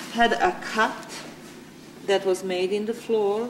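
A woman talks at a very slow pace with ordinary pitch variation over noticeable background noise. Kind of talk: explanatory site commentary. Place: open country. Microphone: camera far.

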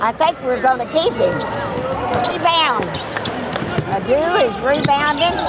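Loud background noise surrounds a woman speaking at a fairly slow pace with long, frequent pauses. The sound is dry, with no echo. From Kentucky. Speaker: basketball fan. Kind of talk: live game commentary while watching. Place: stadium. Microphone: lapel.

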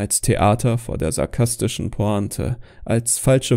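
Recorded very cleanly against a silent background, a man speaks fairly slowly at a medium pitch, with a dramatic, dark, mellow tone and fairly even intonation. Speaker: audiobook narrator. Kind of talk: scripted narration. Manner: dramatic, hushed, foreboding.

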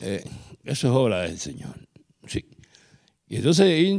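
Dark, mellow tone with vocal fry, a fairly slow pace and a quiet background. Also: man. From Cuba. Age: 60s. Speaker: church community member. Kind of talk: testimony. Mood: warm, grateful, earnest. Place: home room. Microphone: handheld.

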